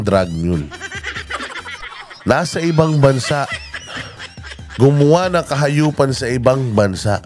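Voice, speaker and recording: A man giving impassioned political commentary, halting with many fillers and outbursts of swearing. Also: mid-range voice, darkish tone. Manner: hesitant, many fillers, switches into English, angry swearing.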